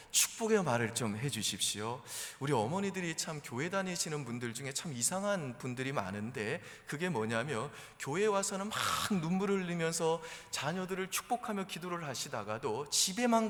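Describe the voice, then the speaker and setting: A man's voice: fairly high pitch, fairly bright tone. A man preaching a sermon to his congregation as pastor, in a conversational storytelling manner. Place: church sanctuary. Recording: reverberant church hall.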